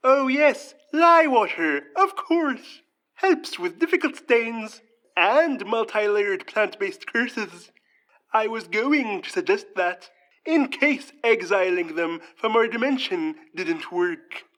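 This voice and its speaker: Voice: mid-range voice, expressive, slow, fairly bright tone, low-quality recording. An actor playing a smug, scheming troublemaker with a pompous, formal drawl in an audio comedy. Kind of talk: audio fiction comedy acting.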